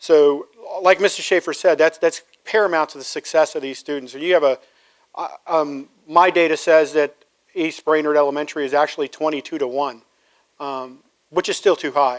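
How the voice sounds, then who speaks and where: A man speaks at a fairly high pitch. His pace is moderate and his intonation fairly even. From Houston, Texas, US. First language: Spanish. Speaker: school board candidate. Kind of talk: political debate. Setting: high school debate with audience. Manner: halting, many repeats.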